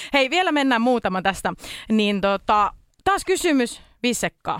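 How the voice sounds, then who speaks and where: On a very clean recording with a silent background and a dry, close sound with no echo, a woman speaks at a fairly slow pace in a fairly high voice with very wide pitch swings. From Savonia, Finland. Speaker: radio host. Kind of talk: casual chat. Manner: animated.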